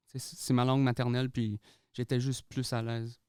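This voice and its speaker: A man's voice: medium pitch, little pitch movement, moderate pace, dark tone, smooth, dry recording, clean studio sound. A young man from Quebec with a Québécois accent, a guest artist in a casual podcast interview who speaks easily, laughs often and mixes in English words. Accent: Québécois French. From Quebec, Canada.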